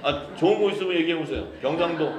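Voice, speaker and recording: A man's voice: on the high side, fast talker, a crowd in the background. A man from Busan, preaching a sermon as pastor in a jovial, laughing manner and reading scripture. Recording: echoey church hall with congregation. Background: congregation answering amen.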